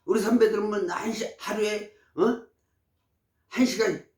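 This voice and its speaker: A man's voice: high voice, steady tone, unhurried, a little mellow. A man in his sixties giving health advice in casual, emphatic, preachy talk to camera. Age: 60s. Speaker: vlogger. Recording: roomy echo.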